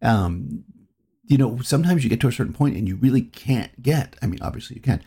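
A man's voice: mid-range voice, expressive, brisk, vocal fry, warm tone, husky. A middle-aged man from New England, hosting his own podcast and talking in a reflective, rambling way that circles back on itself. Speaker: podcast host. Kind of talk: reflective solo podcast talk.

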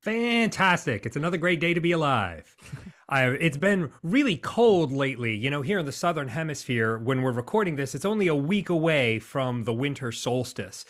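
A man's voice: a little high, big pitch swings, normal speed, fairly bright tone. An American man chatting as a podcast guest, cheerful and talkative, laughing easily. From United States. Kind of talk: casual interview chat.

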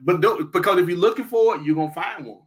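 A man's voice: high voice, quick pace. A man in his fifties co-hosting a casual chat show, talking emphatically and repeating his points like a sermon. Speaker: podcast co-host.

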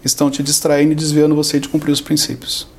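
Brazilian man, podcast guest, gravelly and brisk, teaches through acted-out quotes. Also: a little high, monotone, a little mellow, a little hiss or hum. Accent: Brazilian Portuguese. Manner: explains with everyday examples and acted-out quotes. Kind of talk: conversational teaching.

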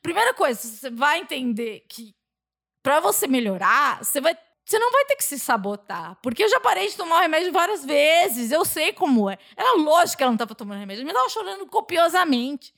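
Chatty, animated Brazilian woman. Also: high-pitched, brisk, vocal fry. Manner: talkative, animated storytelling with frequent laughs. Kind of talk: casual podcast chat.

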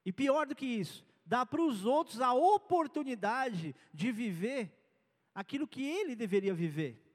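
A man's voice: very high voice, expressive, unhurried, long reverb tail. A man preaching a sermon as pastor, in a conversational style with personal stories.

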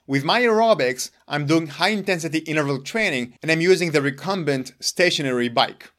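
A man whose first language is Hebrew talks straight to the camera about his own routine. His voice sits a little higher than most men's. He is earnest and deliberate, leaning on key words for emphasis. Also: lively intonation, a bit bright. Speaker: longevity vlogger. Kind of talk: explaining personal routine to camera.

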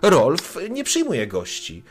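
A man's voice: a little high, wildly swooping pitch, slow, faint music behind, full character voice. A man putting on a nosy prim townswoman. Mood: prying. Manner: prying, gossipy.

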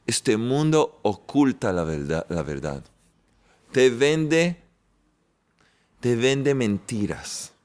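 Male spiritual teacher, unhurried and resonant, repetitive and jovial. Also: medium pitch, big pitch swings. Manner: warm-hearted, repetitive, chuckling often. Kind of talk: sermon-like talk with jokes.

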